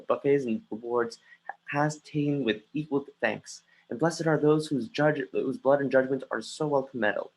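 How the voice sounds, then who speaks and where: On a livestream picked up by a home computer mic with poor audio, an actor voices an earnest, brooding young prince in a Shakespeare stage reading. His husky, medium-pitched male voice sounds close to everyday speech, and he is earnest and confiding. He often stumbles, halting and restarting phrases mid-line.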